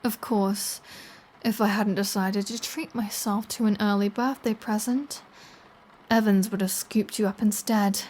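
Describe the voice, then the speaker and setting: A woman's voice: medium pitch, fairly even intonation, a little mellow, close to an everyday voice. A woman playing a flirty, taunting, predatory vampire in an intimate audio roleplay, with a teasing, sardonic delivery. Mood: mock-hurt. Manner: slow, teasing, sardonic, casually profane.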